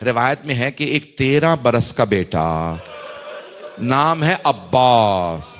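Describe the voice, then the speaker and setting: A man delivering an emotional mourning sermon, his voice climbing into high chanted wailing as he recounts the story. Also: lively intonation, fairly bright tone, a little hiss or hum. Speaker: Shia cleric giving a majlis. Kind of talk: emotional Urdu majlis sermon.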